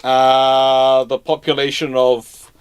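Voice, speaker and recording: A man's voice: mid-range voice, monotone, slow pace, smooth. A man hosting a casual live history question-and-answer session, speaking emphatically and repeating phrases for stress. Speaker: host answering viewer questions.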